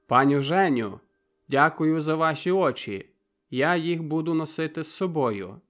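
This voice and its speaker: A man's voice: fairly high pitch, animated, a little slow, a bit bright, faint music behind. A man reading an audiobook, voicing a shy but earnest young man in a plain, slightly raised voice.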